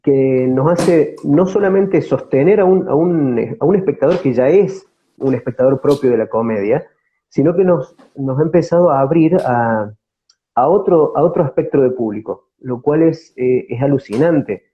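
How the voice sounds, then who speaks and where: On a lo-fi recording with a bit of hiss or hum, a Córdoba-accented Argentine actor from a theatre company answers interview questions conversationally. His medium-pitched voice moves at a moderate pace as he feels for words and repeats them.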